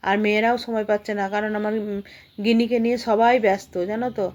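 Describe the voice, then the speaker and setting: Chatty and repetitive, a middle-aged Bengali-accented Indian housewife speaks to viewers in a home vlog, often posing rhetorical questions. Her voice is medium-pitched and a little mellow, delivered fast in a level tone.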